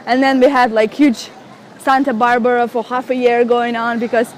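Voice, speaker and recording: A woman's voice: fairly high pitch, moderate pace, slight background noise, poor audio. A young woman from Russia speaking English with a Russian accent, chatting emotionally in an interview. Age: young adult. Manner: emotional, animated, fillers and restarts. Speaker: interviewee, model and blogger. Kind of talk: casual interview chat. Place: outdoors on a city street.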